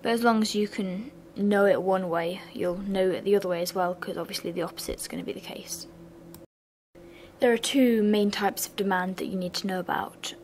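Slightly raspy young woman, bored-sounding lesson. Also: medium pitch, moderate pace, slight background noise. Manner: flat, bored-sounding delivery with asides. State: slightly raspy from sore throat. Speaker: revision channel host. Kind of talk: casual revision lesson voice-over.

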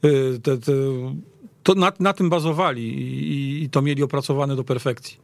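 A man's voice: medium pitch, normal speed, gravelly, no room sound. A man as a panel guest in a casual sports discussion, hesitant and repeating words as he goes. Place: radio studio.

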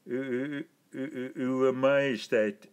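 Nervous stammering father, halting speech; male reader voicing. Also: on the high side, dark tone, voice pushed up. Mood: flustered. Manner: stammering, flustered. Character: flustered middle-aged father, stammering before the emperor. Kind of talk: audiobook reading.

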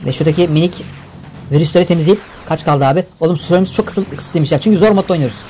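A young man giving energetic, exclamatory gameplay commentary for a video. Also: fairly high pitch, very fast, slight background noise. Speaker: gaming YouTuber. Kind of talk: excited game commentary.

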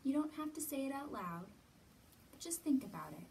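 A woman's voice: high voice, sing-song, creaky, a little mellow. Woman leading children's storytime, distant mic. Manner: simple encouraging questions with many pauses. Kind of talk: gentle guided lesson for young children. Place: indoor library room with bookshelves. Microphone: camera a few feet away. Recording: distant mic, roomy ambient noise.

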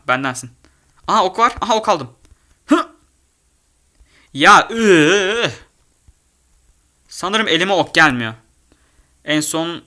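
A young man giving excitable gameplay commentary as a gaming YouTuber, often shouting and swearing in panic. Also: fairly high pitch.

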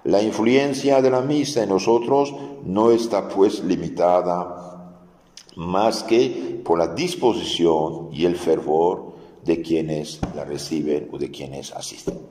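A low, dark-toned man teaches catechism to adults. He explains patiently and circles back to repeat his main points. His voice rings out into a large hall with a long, roomy reverb. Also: takes it slowly. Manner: explanatory, repeats key phrases, many restarts.

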